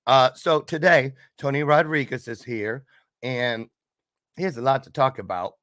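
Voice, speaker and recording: A man hosting a casual online chat show, with playful, teasing questions. His voice sits at a middle pitch, and the call audio is dry and close. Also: moderate pace, a bit bright, no echo. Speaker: show host. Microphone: video call.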